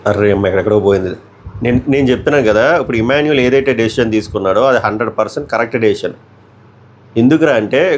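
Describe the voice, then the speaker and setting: A man's voice: medium pitch, slight background noise. A man with a Telugu accent giving casual, opinionated commentary on a reality show, often talking straight to the contestants.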